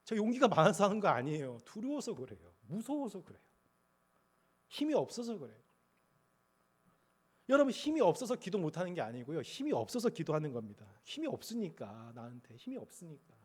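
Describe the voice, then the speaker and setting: Pastor type, man with a high voice, fervent pulpit preaching that goes from big cries to near-hushed confession. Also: wildly swooping pitch, brisk, pauses often, slightly rough. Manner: impassioned, swinging from loud cries to quiet confession. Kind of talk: sermon. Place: church sanctuary at the pulpit.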